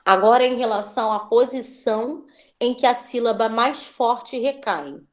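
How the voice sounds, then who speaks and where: A woman's voice: on the high side, measured pace. A woman teacher giving an online class, patiently drawing out words as she drills syllables.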